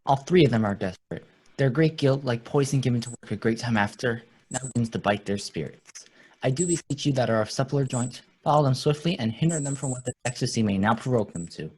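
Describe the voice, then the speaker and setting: A man with a husky voice playing a kindly, concerned old counsellor in Shakespearean verse for a radio play. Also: mid-range voice, a little fast, a little mellow, natural voice, poor audio.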